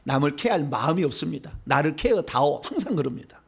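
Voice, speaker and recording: Male pastor, from Seoul, middle-aged, high voice, very animated pitch, preaches in a question-and-answer manner. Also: fast, gravelly, breathy edge. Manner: conversational preaching, asks the congregation questions and answers them himself. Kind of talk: sermon.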